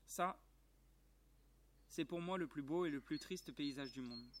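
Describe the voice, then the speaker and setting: A man reads a storybook aloud in a calm, measured and quietly moved voice that sits a little high for a man. He was recorded outdoors in a garden, with faint outdoor ambience and birdsong behind him. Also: a little hiss or hum. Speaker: reader.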